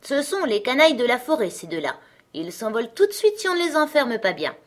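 A woman's voice: on the high side, sing-song, fairly quick, pitched above the performer's own voice. A woman voicing a fierce, wild little robber girl who talks in a bossy, teasing way.

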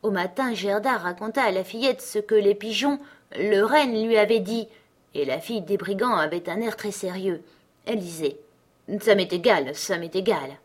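A woman narrating a storybook fairy tale. Her reading is calm and measured, with a voice in the middle of the usual pitch range.

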